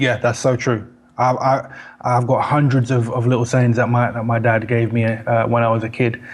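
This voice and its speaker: A man's medium-pitched voice at a moderate pace, monotone and flat, with very even loudness. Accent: British. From United Kingdom. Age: 30s. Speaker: blogger on marriage. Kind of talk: interview. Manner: halting, repeats words.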